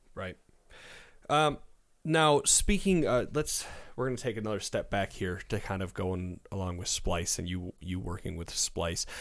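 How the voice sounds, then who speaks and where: At a fairly slow pace, a man with an unremarkable speaking voice talks in a fairly low pitch, recorded very cleanly against a silent background. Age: 30s. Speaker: podcast host. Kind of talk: interview.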